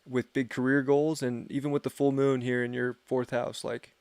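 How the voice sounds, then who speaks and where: A man's voice: mid-range voice, little pitch movement, normal speed, a little mellow, clear, resonant tone, no echo. A man giving a casual, rambling astrology forecast on a livestream, his voice wearing thin. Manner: rambling, filler-heavy, laid-back. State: losing his voice. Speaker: astrology reader.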